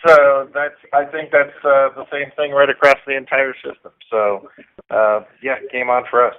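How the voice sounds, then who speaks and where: A man's voice: mid-range voice, level tone, normal speed, clear, resonant tone. A man, a company executive, giving informal, emphatic business answers and searching for his words. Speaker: company executive on an earnings call. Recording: dull band-limited conference call audio.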